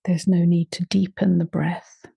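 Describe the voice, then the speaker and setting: A woman leading a guided meditation in a soft, unhurried voice that often drops to a half-whisper. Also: fairly low pitch, level tone, vocal fry, slightly rough, no room sound. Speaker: meditation teacher.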